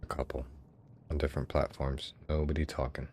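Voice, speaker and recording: Streamer: American man, chatty and profane, with an extremely low voice. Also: level tone, a little fast, a little mellow, slight background noise. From United States. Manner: chatty, swears freely, talks to viewers. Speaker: game streamer. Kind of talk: casual gameplay commentary.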